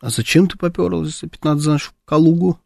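A man's voice: a little high, steady tone, quick pace, gravelly, darkish tone, no room sound, studio quality. Wry, teasing male radio co-host. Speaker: radio morning show co-host. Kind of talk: casual on-air chat. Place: radio studio.

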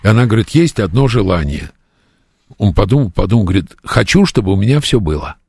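A man's voice: fairly low pitch, big pitch swings, quick pace, a little mellow, breathy edge, dry recording, studio quality. A man hosting a radio interview, telling jokes and reading out listener questions. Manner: jokey, reads out listener questions. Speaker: radio host.

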